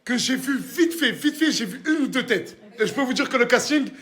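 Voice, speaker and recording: Excitable high-voiced man hosting a street casting. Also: fairly quick. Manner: excitable, laughing, calls for quiet. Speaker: vlogger running a street casting. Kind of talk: lively outdoor vlog hosting. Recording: crowd chatter behind.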